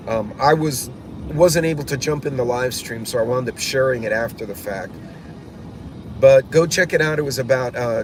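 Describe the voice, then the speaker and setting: A man's voice: mid-range voice, noisy background. A man hosting a prepper vlog in a car, talking bluntly and casually, with lots of fillers, restarts and swearing. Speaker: prepper channel host. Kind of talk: casual rambling vlog commentary. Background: classic rock music playing.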